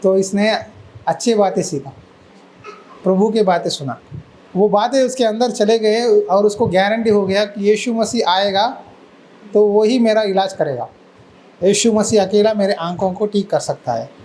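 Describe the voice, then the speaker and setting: A male pastor giving a sermon, telling a story with lively acted-out voices and asking the listeners questions. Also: high-pitched, measured pace, poor audio. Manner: asks the listeners questions and answers them.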